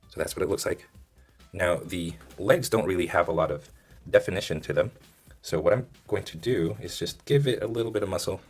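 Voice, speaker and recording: Male tutorial host, very deep pitch, husky hoarse voice, informal step-by-step instruction, thinking aloud. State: hoarse, losing his voice. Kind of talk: casual step-by-step drawing instruction.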